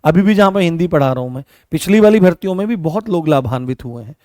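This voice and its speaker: A man teaching law in an online class, speaking to his students and slowly repeating phrases so they can write them down. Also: a little high, lively intonation, darkish tone, no echo, studio quality. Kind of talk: online class lecture with dictation.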